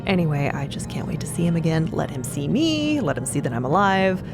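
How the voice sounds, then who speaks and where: Upbeat young explorer, chatty, lots of vocal fry, lowish voice, music under it. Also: female voice, animated, fairly quick. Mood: eager, fond. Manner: casual, chatty. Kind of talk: audio drama dialogue.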